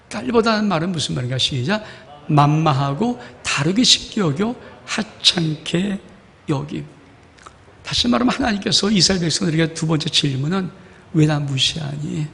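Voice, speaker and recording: A man preaching a sermon in a fairly high, gravelly voice. He keeps asking the congregation questions and acts out God and the people as he goes. The sound carries a long reverb, as if it is coming from a church hall. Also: fairly bright tone. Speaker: pastor.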